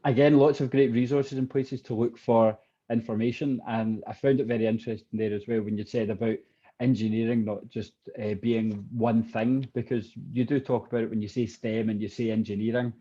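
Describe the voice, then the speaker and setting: A man's voice: on the low side, steady tone, a little fast, warm tone, slightly rough, dull audio. A man hosting an interview, summing up conversationally in an appreciative, informal manner. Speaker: interviewer, host.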